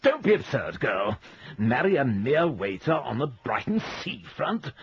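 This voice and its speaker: A man's voice: mid-range voice, big pitch swings, a little slow, slightly rough, exaggerated voice. A man playing an indignant, pompous older father who blusters in a radio drama, slightly muffled recording.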